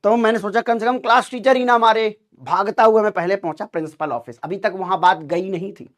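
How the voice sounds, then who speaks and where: High-voiced man telling a lively story. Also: brisk. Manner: lively, dramatic, acts out dialogue. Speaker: teacher telling a story to students. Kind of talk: animated classroom storytelling.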